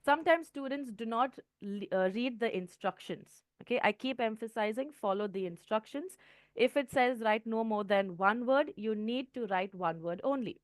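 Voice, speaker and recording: A woman's voice: on the high side, moderate pace, dry recording, clean studio sound. A woman with an Indian English accent giving a test-prep lesson, often checking in with "okay". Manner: clear teaching tone, frequent "okay" checks. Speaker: IELTS trainer.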